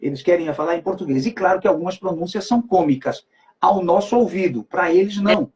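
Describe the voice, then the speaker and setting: A man who works as a speaking mentor talks in a casual chat, animated, repeating phrases and joking about mispronunciations. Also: high-pitched, brisk, breathy edge. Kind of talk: casual two-person chat.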